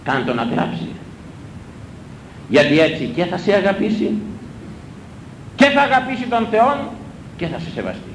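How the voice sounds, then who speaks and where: A man delivers a fiery sermon, hammering each point home by repetition and scolding his listeners with pointed questions. His fairly high voice swoops widely as he preaches. The recording is echoey, with a faint low rumble beneath it. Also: sing-song, long pauses. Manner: emphatic, repetitive exhortation.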